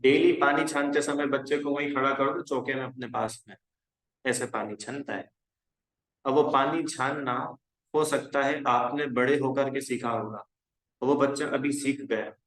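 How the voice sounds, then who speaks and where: A man's voice: mid-range voice, fairly even intonation, normal speed, a bit bright. Male religion teacher, conversational and exhorting, checks if the class follows, roomy echo. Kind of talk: casual spoken lesson to a youth class.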